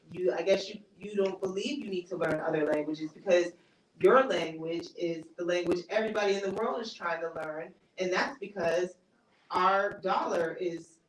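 A woman author speaks casually to a small audience, filling pauses with "um" and laughing now and then. Her voice bounces around a roomy space and sounds somewhat off-mic. A faint hiss sits under it. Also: lowish voice. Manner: conversational, laughs easily, many fillers. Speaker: author giving a talk. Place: small bookstore cafe event space. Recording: echoey room, mic far off.

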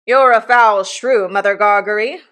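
A woman voicing a gruff, growling, quarrelsome young journeyman blacksmith with rustic working-class speech, in a storybook reading. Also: medium pitch, lively intonation, moderate pace, bright, forceful tone. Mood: menacing.

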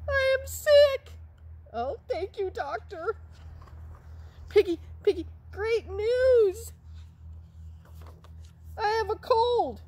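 A woman voicing an anxious young male elephant who keeps sneezing, in a high, squeaky, dramatic wail, read aloud for young children. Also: animated, extremely slow, pauses often, a little mellow, exaggerated voice. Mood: overjoyed.

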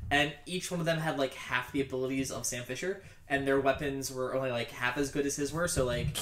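A man's voice: medium pitch, steady tone, a little fast, fairly bright tone, slight background noise. A young man chatting casually as he plays a co-op video game, joking and swearing freely. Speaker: gamer in co-op play. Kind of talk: casual gaming chat. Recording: roomy, echoey voice recording.

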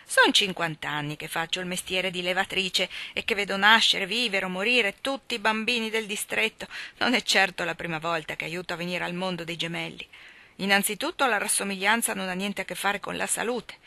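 A woman's voice: fairly low pitch, gravelly, pushed and bright. A woman voicing an older village midwife in an audiobook, speaking emphatically and with assurance. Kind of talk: audiobook character voice.

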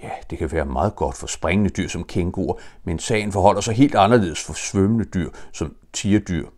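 A man's voice: sits low, a little mellow, natural voice. An older man voicing a boastful young tiger in a children's storybook, talking nervously. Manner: hesitant and nervous.

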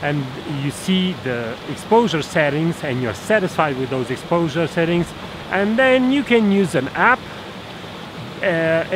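Standing by a snowy forest stream, a man in his thirties whose voice sits high gives a photography tutorial to a camera held at arm's length. He breaks things down step by step with fillers and restarts, and the outdoor audio picks up rushing water.

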